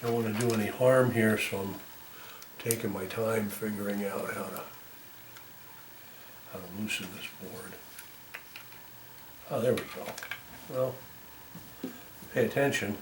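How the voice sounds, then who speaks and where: A man talking through a hands-on repair casually, thinking aloud in a careful, halting way as he works. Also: lowish voice, fairly even intonation. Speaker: volunteer repairer demonstrating a fix. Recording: roomy, distant mic, faint noise.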